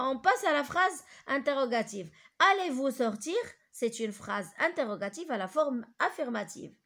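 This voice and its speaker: A woman teacher giving a grammar lesson to pupils, hesitant with many fillers and restarts, slowly repeating key terms. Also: high voice, a bit bright.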